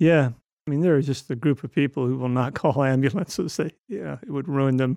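In a Southern US accent, a man with a dark, mellow tone and fairly high pitch speaks at a fairly quick pace with ordinary pitch variation, the sound dry and close with no echo against a quiet background. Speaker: novelist. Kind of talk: author interview.

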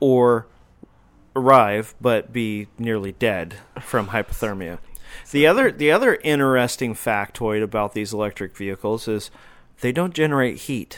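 A man talks in a normal speaking voice at a medium pitch. His pace is moderate and his pitch varies in an ordinary way. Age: 40s. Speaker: podcast host. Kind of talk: casual chat.

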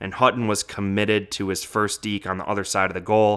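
Here a man with a normal speaking voice talks at a fairly quick pace and a fairly low pitch. The recording is very clean, with a silent background. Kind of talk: recapping game play-by-play in a podcast review, quasi live-commentary style.

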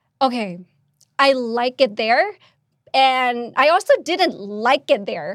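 A woman with a Thai accent, high-pitched and with lively intonation, at a very slow pace with long, frequent pauses, in a dry, close sound with no echo. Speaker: language practice buddy. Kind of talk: casual interview chat.

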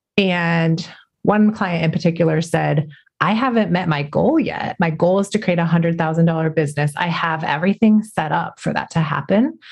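Her voice is fairly low and somewhat breathy, with ordinary pitch variation. The woman talks at a moderate pace. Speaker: podcast host and business coach. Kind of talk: casual interview chat. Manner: animated.

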